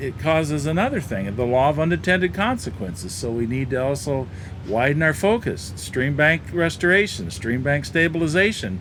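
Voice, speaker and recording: A man with an American accent at a moderate pace, very wide pitch swings, noticeable background noise. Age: 60s. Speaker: drainage contractor. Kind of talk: podcast interview. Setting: recorded on site outdoors at a farm event. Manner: halting, with frequent restarts.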